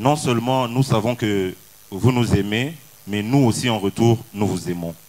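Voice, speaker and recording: A man at a fairly slow pace, medium pitch and ordinary pitch variation. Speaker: youth movement president. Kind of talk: formal welcome speech. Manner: formal.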